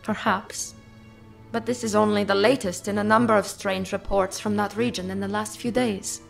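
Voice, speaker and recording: Regal empress, heavy vocal fry, formal and commanding, for audio drama. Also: female voice, mid-range voice, fairly even intonation, moderate pace, soft background music. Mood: grave, commanding. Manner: formal, stately.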